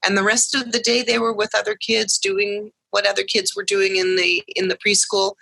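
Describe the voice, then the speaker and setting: A woman speaking English as her first language, telling her family's story in a lively way as a guest on a podcast interview. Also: mid-range voice, normal speed, gravelly, dry recording, low-quality recording. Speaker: guest, mother of deaf twins.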